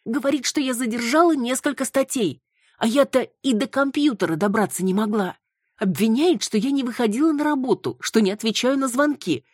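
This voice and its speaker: A woman reading an audiobook, voicing a flustered young woman who quickly turns indignant. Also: fairly low pitch, dark tone, slightly rough, dry recording, studio quality, pitched above the performer's own voice. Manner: indignant, exclaiming.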